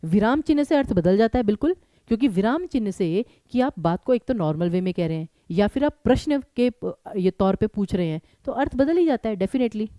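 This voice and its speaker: A young woman teaching a live online exam-prep class. She talks briskly and keeps urging her students to answer quickly, mixing English words into her Hindi. Her voice is mellow and the sound is close and dry. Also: medium pitch, animated, dry recording.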